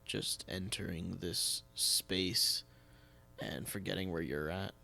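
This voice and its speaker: A man's voice: low-pitched, slow, vocal fry, bright, forceful tone. An American man hosting a casual interview, telling stories in an emphatic way. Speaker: podcast host, theatre director.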